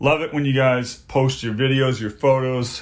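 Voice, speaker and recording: Noticeable background noise accompanies a man whose pace is moderate. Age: 60s. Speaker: magazine publisher and commentator. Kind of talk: radio commentary segment. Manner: casual, chatty.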